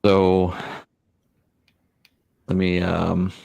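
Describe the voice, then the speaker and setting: Male game master, low voice, close dry sound, deliberate and wordy, casual discussion. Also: completely flat delivery, gravelly, a little mellow, dry recording, dull audio. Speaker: tabletop game master, panelist. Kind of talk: casual panel discussion of role-playing games.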